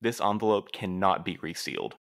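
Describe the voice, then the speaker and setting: An actor playing a stern, dutiful postmaster in an audio drama, with a dramatic, formal, commanding manner. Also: male voice, low voice, lively intonation, fairly quick, creaky, a bit bright, exaggerated voice. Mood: cold warning. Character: stern, dutiful, theatrical male postmaster of couriers.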